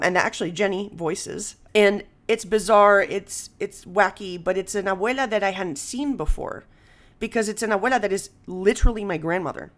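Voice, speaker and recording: A woman hosting a podcast in casual conversation, telling stories in an animated way with frequent chuckles. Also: lowish voice. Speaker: podcast host.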